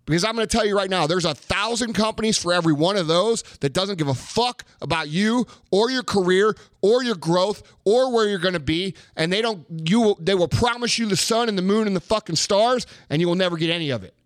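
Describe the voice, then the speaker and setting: A man's voice: sits high, fairly quick, few pauses, no echo. A man giving a blunt, profane motivational rant, hammering his points home with emphatic repetition. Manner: blunt, emphatic, heavy swearing. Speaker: motivational speaker.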